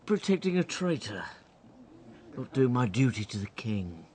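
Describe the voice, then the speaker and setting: An actor playing an envious sailor who schemes in a sly, confidential manner, in a radio drama. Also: male voice, medium pitch, very animated, a little slow, a little mellow, a little hiss or hum. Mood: scheming.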